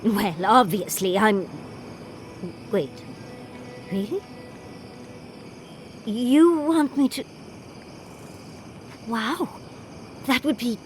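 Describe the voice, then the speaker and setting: Young game wizard: earnest and excitable, lightly high voice, unhurried, hesitant phrasing. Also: female voice, a little hiss or hum. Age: young adult. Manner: hesitant, expressive. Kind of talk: video game character acting.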